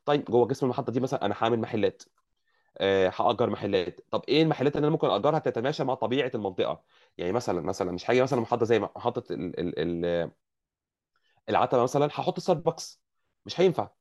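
A man's voice: medium pitch, expressive, racing, a little mellow. A man with an Egyptian Arabic accent, a guest engineer explaining at length in an interview, often restarting his words. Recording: muffled lo-fi audio.

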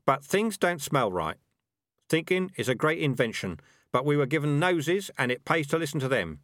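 A man voicing a tough, lean male rat sergeant in a storybook, brisk, wary and commanding. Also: fairly high pitch, animated, fairly bright tone, dry recording, clean studio sound, pitched above the performer's own voice.

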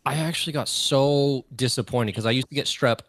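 A man's voice: mid-range voice, fairly quick, a bit bright, dry recording. Casual swearing young man, dry mic. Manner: rambling, swears often, many fillers. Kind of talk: casual chat.

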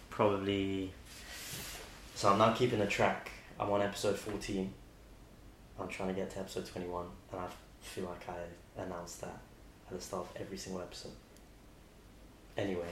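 Deep-voiced young man hosting. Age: 20s. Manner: rambling, friendly, many restarts. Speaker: podcast host. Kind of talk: casual interview chat. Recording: roomy sound with faint noise.

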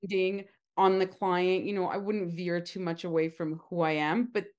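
A woman co-hosting a casual podcast, talking in a loud, lively way. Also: on the low side, moderate pace, smooth, highs cut off. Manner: loud and lively, says she has a loud voice. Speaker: podcast co-host, esthetician.

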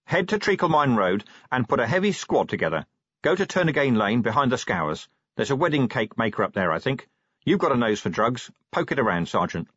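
A gruff fantasy police commander from an audiobook, as acted by a man, with a husky edge to the voice. He is brisk and commanding, dryly sardonic, and his pitch moves about freely. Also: big pitch swings, fairly bright tone, no echo, highs cut off.

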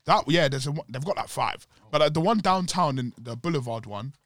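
A man's voice: a little high, expressive, brisk, a bit bright, dry recording. A young man with a London accent, chatting casually in roadman slang. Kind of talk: casual chat.

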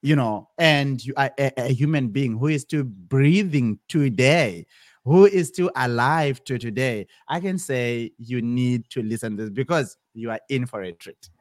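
A man's voice: mid-range voice, lively intonation, unhurried, no echo, studio quality. A man in his twenties from Zimbabwe, a guest in an interview, talking casually with many restarts and repeated words. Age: 20s. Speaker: podcast guest, business founder.

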